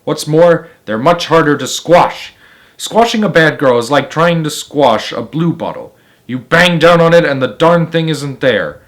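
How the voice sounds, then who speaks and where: A man voicing a loud, domineering middle-aged headmistress who barks and scoffs in a children's storybook reading. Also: fairly high pitch, expressive, unhurried. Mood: scornful. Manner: barking, shouting, scornful. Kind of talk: children's storybook read-aloud.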